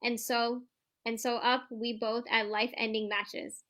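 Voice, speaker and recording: A woman's voice: fairly high pitch, little pitch movement, measured pace, pushed and bright. A woman reading the part of a boastful, trash-talking champion pro wrestler in a staged promo reading, stumbling now and then over the script. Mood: boastful, challenging.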